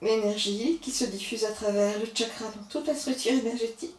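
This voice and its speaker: A woman yoga teacher giving slow, calm guided cues through a breathing and posture practice. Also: fairly high pitch, reverberant, recorded from a distance.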